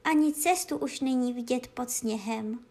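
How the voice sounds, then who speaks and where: A woman's voice: on the high side, a little mellow. Woman doing a good-natured little dog. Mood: pleased. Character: small good-natured male dog, easygoing, fond of cheese.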